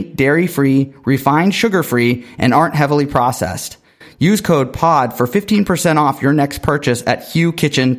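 A man hosting a podcast, reading sponsor ads in a smooth scripted way and introducing his guest. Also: a little high. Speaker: podcast host. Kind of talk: read ads and interview intro.

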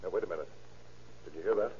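An actor playing a steady, canny police detective who talks in a colloquial, matter-of-fact way in old radio drama. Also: male voice, low voice, fast talker, lightly acted. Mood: cautious. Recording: dull old radio recording, faint noise.

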